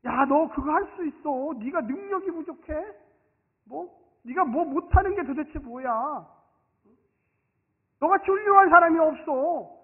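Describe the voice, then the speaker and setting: A man's voice: very high voice, animated, unhurried, heavily acted. A man voicing a taunting male tempter spirit who goads with mocking questions, in a tinny recording from an echoey church. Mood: coaxing.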